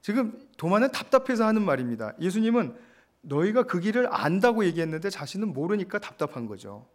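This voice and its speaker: A man preaching a sermon, explaining scripture with pauses, fillers and acted-out quotes. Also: sits high, big pitch swings. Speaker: pastor.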